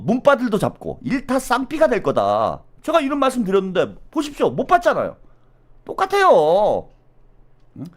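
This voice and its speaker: A man hosting solo political commentary, animated and blunt, with slangy speech and constant "어?" tag questions. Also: very high-pitched.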